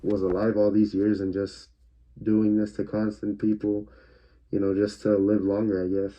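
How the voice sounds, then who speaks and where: Hesitant low-voiced man reviewing a film. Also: completely flat delivery, normal speed, warm tone. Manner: hesitant, stuttering, many fillers. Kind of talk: casual spoken movie review. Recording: dull lo-fi recording.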